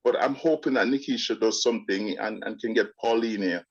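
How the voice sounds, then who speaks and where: A man's voice: on the low side, fairly quick, lo-fi sound. A Jamaican man with a partly British accent, calling in to a radio show and chatting casually with opinions and stammering restarts. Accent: Jamaican with British mix. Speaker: caller. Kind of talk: casual call-in chat. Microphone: phone line.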